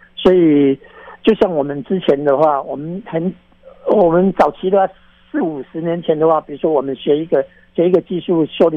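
This man speaks at a fairly quick pace with a fairly high pitch and ordinary pitch variation. Noticeable background noise comes through. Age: 50s. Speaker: baseball umpire. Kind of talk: interview.

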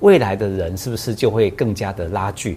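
A somewhat breathy man's voice, fairly low in pitch, at a very fast pace. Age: 50s. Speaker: interviewer, app founder. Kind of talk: casual interview.

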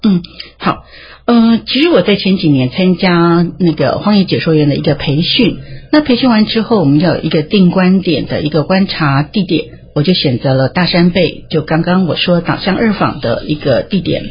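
At a moderate pace, the speaker's somewhat breathy voice carries lively intonation at very even loudness. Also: woman, fairly low pitch for a woman. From southern Taiwan (Pingtung, rural). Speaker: organic farmer and nature guide. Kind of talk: interview.

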